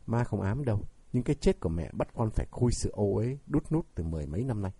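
A bitter, defiant young son from a storybook taunts his father with sarcastic questions, as a man reads him aloud. His husky voice swings widely in pitch and stays dark and close to the mic. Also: sing-song, quick pace, dry recording, full character voice. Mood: bitter mocking.

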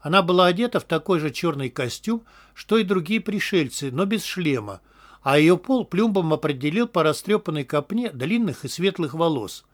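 A man reading an audiobook as narrator, in a steady, measured way. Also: a little high. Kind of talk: scripted narration.

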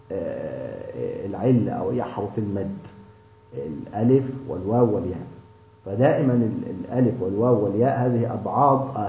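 A man teaching tajweed in a class session, answering a student with many halting restarts. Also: mid-range voice, dark tone. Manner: hesitant, with many restarts and drawn-out fillers. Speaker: Quran recitation teacher. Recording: echoey, dull lo-fi room recording.

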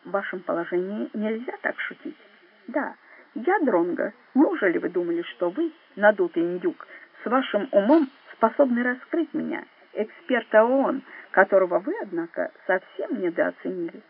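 A woman voicing a calm, cold-blooded male secret agent who speaks quietly and with mockery, in an audiobook. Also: high-pitched, slightly rough, full character voice. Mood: cool. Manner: quiet, measured, mocking. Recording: narrow phone-like band.

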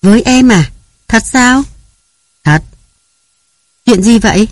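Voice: medium pitch, a little slow, a little mellow, no echo, lightly acted. The narrator voicing a young wife, just woken, who speaks in slightly raised, eager questions. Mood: anxious. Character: drowsy young wife, anxious and impulsive.

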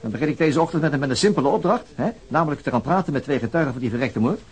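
Harried detective, quick talker, frustrated, radio play. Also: male voice, fairly high pitch, animated, breathy edge. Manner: brisk, frustrated. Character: harried, fed-up male police investigator. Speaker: police detective. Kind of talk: radio drama acting.

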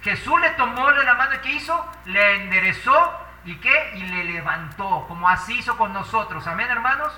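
A man's voice: high voice, expressive, moderate pace, few pauses, sharp tone, roomy sound, far from the mic, slight background noise, rough recording. A man preaching a sermon with passion, asking the congregation rhetorical questions.

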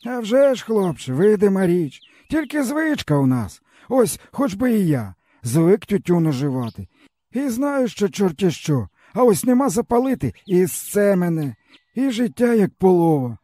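A man performing a worn-out, starving old peasant, his voice pitched up high and lamenting in a sighing, plaintive drawl. The pitch swings widely through each complaint, with a mellow tone and a dry, close sound. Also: big pitch swings, normal speed, no echo. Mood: bitter lament. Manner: plaintive, sighing, folksy rural speech. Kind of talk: audiobook character voice.

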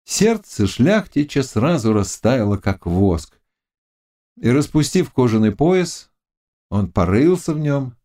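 A man narrating a classic novel as an audiobook, reading in an expressive, dramatic way. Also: mid-range voice, slow pace.

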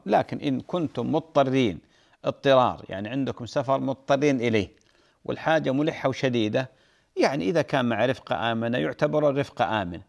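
Brief: brisk male sheikh, fast delivery, repeats rulings to drive them home. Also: mid-range voice, gravelly. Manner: explanatory, repeats key points for emphasis. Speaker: sheikh answering listeners' religious questions. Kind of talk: religious Q&A answers.

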